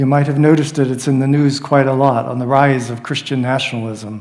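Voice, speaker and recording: Speaking with an American accent, a man uses a fairly high pitch. There is noticeable background noise and audible room echo. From United States. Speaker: guest preacher. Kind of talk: sermon.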